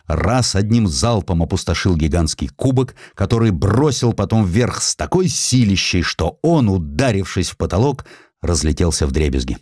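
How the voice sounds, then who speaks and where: A man reading a scripted historical narrative in a measured, expressive storytelling way. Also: deep voice, no room sound. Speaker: audiobook narrator.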